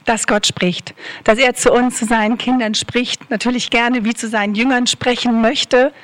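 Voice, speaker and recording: A woman preacher gives an earnest sermon and repeats her key phrases for weight. Her voice sits fairly high. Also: flat delivery, normal speed.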